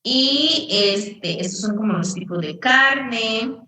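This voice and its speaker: Captured by a distant mic in a room with echo, an English teacher speaks with a fairly high, animated, slow voice and a sharp tone. She's patient as she works through the lesson, going over points again and putting questions to her students.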